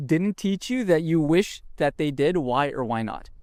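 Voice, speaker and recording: A man's voice: fairly high pitch, animated, measured pace, a little mellow, no room sound, clean studio sound. A man working as a reporter, asking students curious, prompting questions on a university campus. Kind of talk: vox pop interview.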